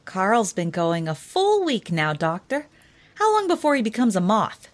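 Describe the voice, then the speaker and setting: A woman's voice: mid-range voice, huge pitch swings, measured pace. An actress playing a chatty, folksy young female lab assistant in an audio drama. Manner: folksy, cheeky.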